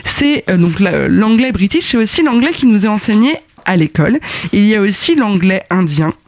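A man with a high voice hosts an explainer, playful and wry, often breaking into laughs. The sound is close and dry, with no room around it. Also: expressive, normal speed, no echo. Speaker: host. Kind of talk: explainer video narration.

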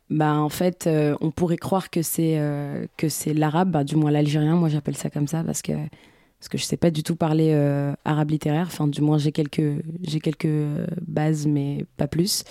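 Hesitant young woman, flat and dry. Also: low voice, dry recording. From Algeria. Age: young adult. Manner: hesitant, many fillers and restarts. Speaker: guest. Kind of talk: casual interview answers.

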